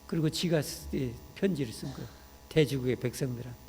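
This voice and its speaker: Korean pastor preaching in a reverberant hall. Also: male voice, mid-range voice, quick pace, vocal fry, a little hiss or hum. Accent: Jeolla Korean. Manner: conversational preaching, frequent "ye" interjections, rising to shouts when emphatic. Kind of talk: sermon. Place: church sanctuary.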